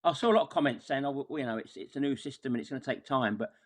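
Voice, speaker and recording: Man in exasperated, halting football chat. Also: medium pitch. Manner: exasperated, wordy, halting with repeated words. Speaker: football podcast guest. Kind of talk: casual football match review chat.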